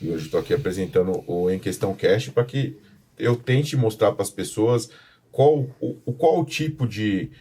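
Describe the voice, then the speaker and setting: Speaking at normal speed in a low, dark voice with a breathy edge, this São Paulo-accented man presents his podcast as a professional condominium manager. He's casual and conversational, speaking straight to his viewers and going over the same points repeatedly.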